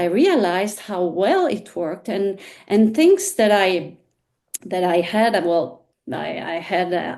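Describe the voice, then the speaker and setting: Woman trainer, mid-pitched, stop-start delivery with lots of fillers. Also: a little mellow. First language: Italian. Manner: halting, many restarts and fillers. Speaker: hypnosis trainer. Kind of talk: casual interview chat.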